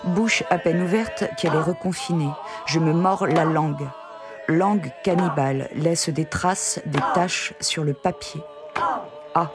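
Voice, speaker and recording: A woman narrating her own poetry in a measured, lyrical spoken-word delivery. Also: sits low, music in the background. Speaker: poet narrator.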